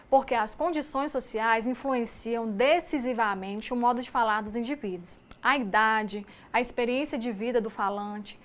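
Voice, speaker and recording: A woman with a Mineiro Brazilian accent, a teacher giving a recorded distance-learning lecture in a measured, explanatory way, reading lists item by item. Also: on the high side, fairly bright tone. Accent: Mineiro Brazilian Portuguese. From Minas Gerais, Brazil.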